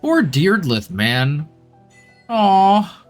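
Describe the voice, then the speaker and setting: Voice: mid-range voice, sing-song, extremely slow, soft background music. A streamer giving casual live commentary on a video game, reacting informally and with slangy asides. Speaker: streamer, VTuber.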